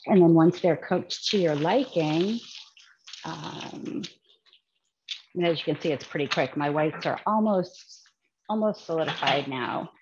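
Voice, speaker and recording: A woman demonstrating a recipe as she cooks at the stove, chatting and explaining each step in a relaxed way. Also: sits low, measured pace, dull audio, a little hiss or hum. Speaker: cookbook author demonstrating a recipe. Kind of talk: casual cooking demonstration. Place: home kitchen at the stove.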